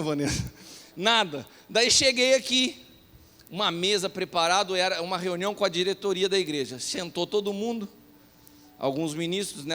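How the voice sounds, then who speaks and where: A Brazilian pastor preaching a sermon, telling a self-mocking story in an animated way. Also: male voice, high voice. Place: church hall. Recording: long reverb of a church hall.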